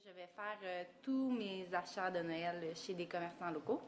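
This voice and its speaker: A woman's voice: lowish voice, normal speed, a little hiss or hum. Hesitant young woman. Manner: hesitant, with many fillers. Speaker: interviewee. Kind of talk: vox pop answer. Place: indoor room.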